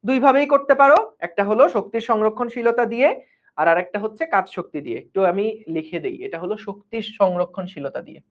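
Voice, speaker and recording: A man's voice: high voice, fast. A man tutors physics in a live online class. He talks in a loose, chatty way and keeps checking that his students are following. The stream audio sounds dull and lo-fi. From Bangladesh.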